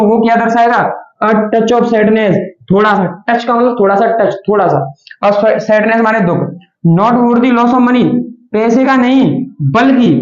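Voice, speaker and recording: A man's voice: high-pitched, darkish tone, echoey room, highs cut off. A man teaching an English grammar lesson, asking questions and answering them himself and calling his students children.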